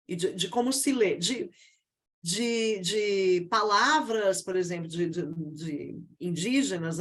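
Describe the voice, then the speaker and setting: A woman teaching an informal online art history class, often hesitating and repeating words as she thinks. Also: fairly low pitch.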